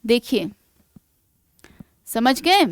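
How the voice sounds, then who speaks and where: A woman teaching English vocabulary in Hindi mixed with English, asking the class questions and reading definitions aloud slowly in an Indian English accent. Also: fairly high pitch, sing-song, no room sound, clean studio sound. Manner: asks the class rhetorical questions. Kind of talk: online exam-prep lesson.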